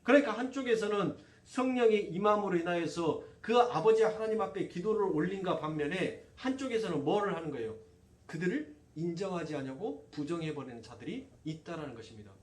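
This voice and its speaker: A man's voice: high-pitched, animated, fairly quick, recorded from a distance. A male pastor, preaching a sermon and firing rhetorical questions at his congregation. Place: church sanctuary. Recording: echoey room, voice off-mic.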